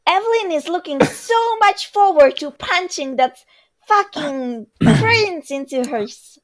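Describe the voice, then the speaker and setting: A woman's voice: very high-pitched, animated, measured pace. A woman on a podcast chatting casually in a playful, exclamatory way. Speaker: podcast host and reader. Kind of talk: casual group chat.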